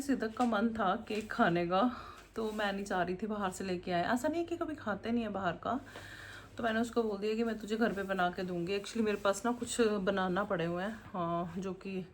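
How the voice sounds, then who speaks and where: In a casual home vlog, a woman who is a mother chats and rambles while cooking in her kitchen, laughing frequently. Her voice is mid-range, and there's a little hiss or hum in the recording.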